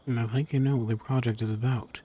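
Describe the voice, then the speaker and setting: Mid-pitched man reading game dialogue. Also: fairly even intonation, fast talker, mellow, a little hiss or hum. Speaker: game player.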